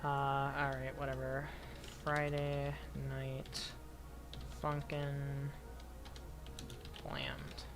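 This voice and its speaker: A hoarse young woman streaming a game, rambling casually and talking to herself as she plays. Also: very deep voice, very slow, long pauses, over music. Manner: rambling, talks to herself while playing. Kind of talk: casual gameplay commentary.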